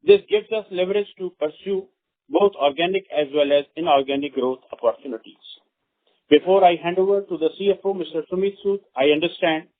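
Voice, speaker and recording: Over a narrow, phone-like connection comes a man with an Indian accent and a fairly high-pitched voice. He reads prepared corporate remarks in a formal manner, with occasional halting stumbles, as an executive presenting on an earnings call. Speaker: company executive. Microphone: phone conference call. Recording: narrow, tinny phone conference line.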